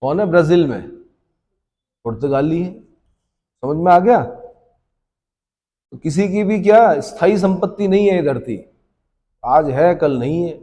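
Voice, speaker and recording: History teacher with a ringing echo. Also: male voice, fairly high pitch, lively intonation, a little slow, long pauses, warm tone. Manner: repeats questions to the class and answers them. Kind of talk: classroom lecture.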